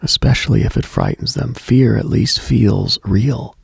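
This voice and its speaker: A man hosting a late-night mystical radio show, telling eerie reflective stories in a hushed, halting, musing way with a gravelly, husky, breathy voice close to the mic. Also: mid-range voice, no room sound.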